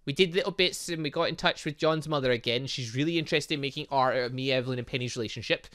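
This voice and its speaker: Racing along in a mid-range, slightly bright voice, a young man does let's play commentary of a visual novel for his YouTube channel. He reads the dialogue out loud, then rambles chattily through the outro, humming filler sounds.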